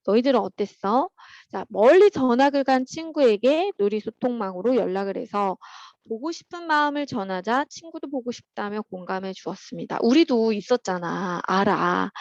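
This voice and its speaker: A woman teaching at a private academy, patiently walking children through workbook answers in a chatty way, with frequent soft "um" pauses. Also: medium pitch, dry recording, muffled recording. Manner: patient and chatty, opens steps with "자" and fills pauses with "어".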